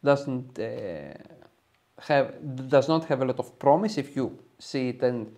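In a small home studio, a Greek man in his thirties hosts a photo editing tutorial, walking viewers through it step by step with enthusiasm. His Greek-accented voice sits in the mid range, expressive and a little mellow, at a measured pace.

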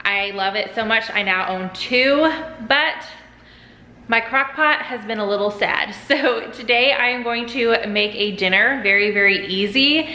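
A woman's voice: on the high side, a little slow, sharp tone. Chatty woman hosting a kitchen vlog. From United States. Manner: chatty and upbeat, walks viewers through each step. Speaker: cooking channel host. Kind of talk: casual cook-along vlog. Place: home kitchen, indoors. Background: dishwasher running in the background.

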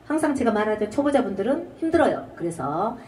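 A woman's voice: fairly high pitch, big pitch swings, quick pace, distant mic, a little hiss or hum. A woman teaching a trot singing lesson, explaining breathing and ornaments and singing short phrases to show them. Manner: demonstrates lines by singing, belts short shouts. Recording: echoey room, voice off-mic.

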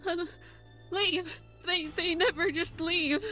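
A woman's voice: very high-pitched, fairly even intonation, slow, music in the background. An actress playing a young woman podcast host, wry at first and then panicked and sobbing. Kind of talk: audio play acting.

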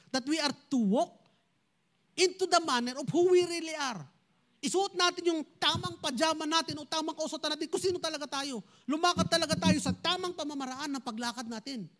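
Male pastor, strikingly high voice, preaches straight at the congregation, flips between languages. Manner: switches between Tagalog and English, addresses congregation directly. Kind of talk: sermon.

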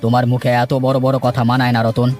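A man playing a stern, righteous village gentleman in a cartoon moral story, speaking with reassuring authority. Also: mid-range voice, level tone, fast talker, soft background music, natural voice. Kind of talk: Bengali moral cartoon dubbing.

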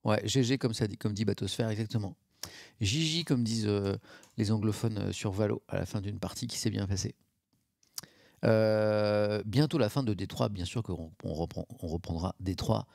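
A man's voice: fairly low pitch, normal speed, vocal fry, darkish tone, dry recording. A man, chatting casually on a live stream, reacting to chat and mocking himself.

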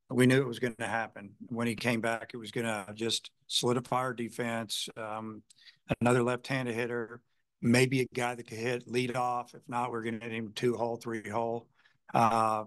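A man's voice: mid-range voice, flat delivery, normal speed, fairly bright tone, no room sound. A male baseball head coach answering reporters after a game, rambling with lots of "you know" fillers and restarts. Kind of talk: postgame press conference answers.

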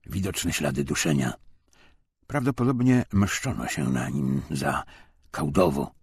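A man reading a wartime memoir as an audiobook narrator, in a husky, gravelly voice. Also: very deep voice, no echo, clean studio sound.

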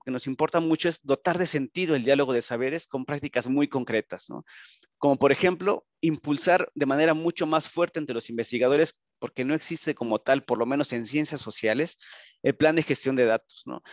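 A man with a Mexican Spanish accent giving a conference presentation over a video call, speaking haltingly with frequent tag questions. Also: a little high, no room sound. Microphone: video call, computer microphone. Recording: dull, lo-fi video call audio.

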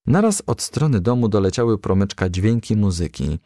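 A man narrating a children's storybook as a gentle, lively storyteller. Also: lowish voice, normal speed, no room sound, studio quality.

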